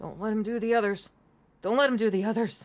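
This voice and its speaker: This is a put-on character voice at a fairly high pitch. It races along at a very fast pace. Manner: urgent, pleading.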